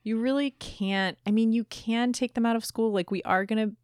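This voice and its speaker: A woman's voice: on the high side, moderate pace, a little mellow, smooth, no room sound, studio quality. Playful woman co-hosting, closely recorded. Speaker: podcast co-host. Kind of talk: casual comic podcast chat.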